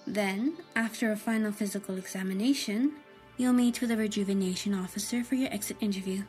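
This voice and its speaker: A woman playing a calm, reassuring clinician in a sci-fi audio drama, gentle and methodical. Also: medium pitch, a little fast, faint music behind, lightly acted. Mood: calm reassurance.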